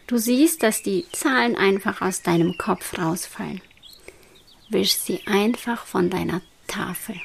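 A woman guiding a hypnosis meditation in a soft, slow whisper. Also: mid-range voice, gravelly, slight background noise. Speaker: hypnosis guide.

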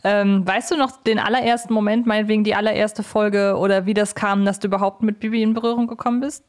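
A woman's voice: medium pitch, fairly even intonation, quick pace, darkish tone. A woman hosting a podcast, interviewing in an informal, conversational way with rambling, self-correcting questions. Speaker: podcast host.

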